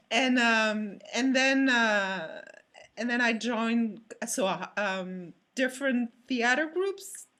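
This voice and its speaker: Slow-speaking woman with a French accent. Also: a little high, pushed and bright. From France. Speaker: physical theater performer. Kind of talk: casual panel interview.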